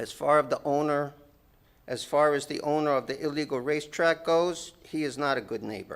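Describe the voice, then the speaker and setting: Delivered with fairly even intonation, an ordinary speaking voice proceeds at a moderate pace. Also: man, fairly high pitch for a man. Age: 60s. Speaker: retired dog breeder speaking as a resident. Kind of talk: public comment at a county meeting. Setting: county commission meeting. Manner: reading a prepared statement.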